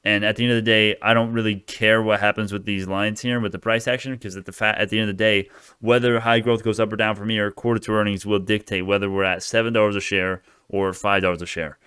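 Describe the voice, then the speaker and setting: Male retail-trader host, crypto-bro swagger, quick and informal, clean smooth voice for off-the-cuff market commentary. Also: on the low side, little pitch movement, sharp tone, no echo, studio quality. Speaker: stock video host. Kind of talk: casual stock market commentary.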